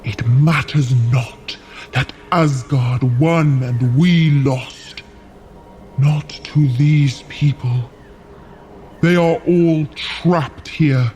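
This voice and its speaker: A man playing a solemn, idealistic, weary frost giant in an audio drama, speaking in grave, measured storytelling. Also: medium pitch, a little mellow. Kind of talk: scripted audio drama acting.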